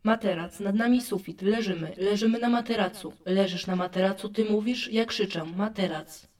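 A woman's voice: mid-range voice, normal speed, a little mellow, far from the mic. A woman giving a scripted reading of literary texts.

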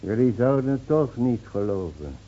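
An actor in a Dutch radio play playing a mocking, defiant old village drunk who foretells doom with theatrical scorn. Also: male voice, mid-range voice, sing-song, normal speed, mellow, muffled recording, natural voice. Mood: defiant, scornful. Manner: taunting, theatrical, scornfully laughing.

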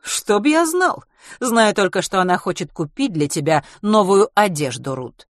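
A narrator voicing a lanky, smug manservant who speaks loud and teasing, pitched higher. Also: male voice, animated, moderate pace, no echo, studio quality. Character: lanky, smug male servant.

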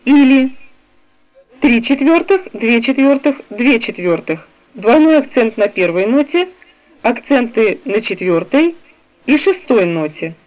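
A woman reading a music theory textbook aloud in a slow, measured way, describing the notation on the page. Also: fairly high pitch, very animated, darkish tone. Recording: dull, lo-fi recording.

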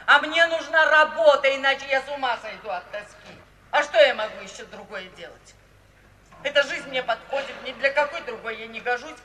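Theatrical worldly mother, high bright voice. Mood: pleading, defensive. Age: middle-aged. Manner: theatrical, emphatic, pleading delivery. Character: worldly middle-aged mother, brothel owner, coaxing and defensive. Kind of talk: 1950s Russian radio theatre acting. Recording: echoey, distant 1950s radio play with hiss.

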